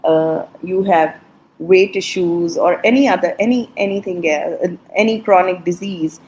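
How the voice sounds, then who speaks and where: A middle-aged woman doctor from Pakistan, explaining things in short, halting fragments in a casual video-call interview. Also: fairly low pitch, a little mellow, a little hiss or hum, rough recording. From Pakistan, Punjab. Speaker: guest, medical doctor.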